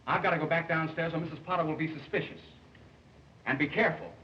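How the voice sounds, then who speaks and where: An actor playing a scheming male jewel thief in a stagey, theatrical early-talkie film style, giving instructions smoothly. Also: fairly high pitch, fast, lightly acted. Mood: instructing, urgent. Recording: muffled, hissy 1920s film soundtrack, distant mic.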